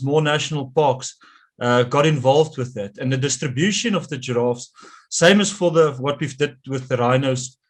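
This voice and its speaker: A man with a South African accent, a native Afrikaans speaker, wrapping up a talk over a video call and then answering questions, with many fillers and restarts. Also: mid-range voice. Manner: hesitant, lots of fillers and restarts. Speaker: conservation scientist giving a talk. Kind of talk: closing remarks and Q&A answer.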